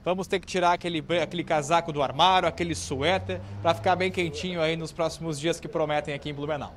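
Upbeat high-voiced male field reporter. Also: steady tone, fast talker. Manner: upbeat, chatty. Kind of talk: live outdoor news report. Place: outdoors on a city street. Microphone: handheld reporter mic.

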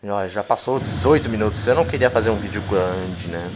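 A man giving casual, crude, joking commentary over a game he plays, breaking into excited shouts. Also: on the low side, brisk, noisy background. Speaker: gameplay commentator.

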